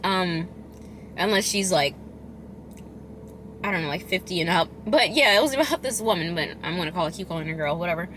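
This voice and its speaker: A woman chatting casually as a food vlogger, chewing while she talks, rambling and expressive with emphatic delivery. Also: lowish voice, a little fast, pauses often, a little hiss or hum. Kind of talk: casual chatty eating vlog.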